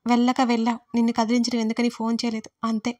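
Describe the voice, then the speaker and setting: A woman's voice: fairly high pitch, monotone, quick pace, a little mellow, no room sound, studio quality, recorded from a distance, natural voice. A woman voicing an anxious, tearful middle-aged mother who speaks hesitantly and apologetically in an audiobook drama. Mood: apologetic. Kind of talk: audiobook role reading.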